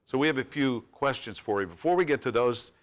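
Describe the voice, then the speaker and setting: A man's voice: mid-range voice, lively intonation, brisk. A man hosting a sports radio show, interviewing a college football player in a friendly, folksy way with joking asides.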